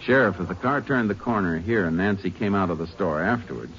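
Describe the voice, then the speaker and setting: Low-voiced Texas Ranger. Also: male voice, a bit bright. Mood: calm probing. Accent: American. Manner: measured, matter-of-fact questioning. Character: calm, methodical male Texas Ranger investigator. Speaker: lead actor and narrator. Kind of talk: 1950s radio drama acting and narration. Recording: dull old radio recording, faint music.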